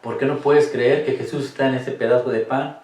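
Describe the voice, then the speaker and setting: A man's voice: mid-range voice, steady tone, a little fast, a little mellow, slight background noise. Man, Bible study teacher, emphatic, rhetorical questions, distant mic, echoey room. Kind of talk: Catholic Bible study talk. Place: room with cameras.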